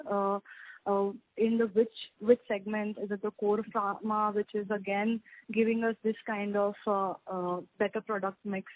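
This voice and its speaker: A woman's voice: on the high side, no echo. A woman with an Indian accent politely asks unscripted questions as an analyst on a conference call. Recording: dry, narrow phone line.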